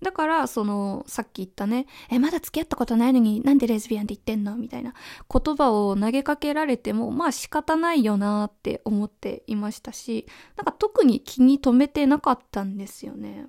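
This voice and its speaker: A woman with a high pitch speaks at a fairly quick pace in a dark, mellow, calm tone. Her loudness swings widely, and her pitch varies in an ordinary way. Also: dry, close sound with no echo, very clean recording, silent background. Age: 20s. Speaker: podcast host. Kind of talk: solo monologue.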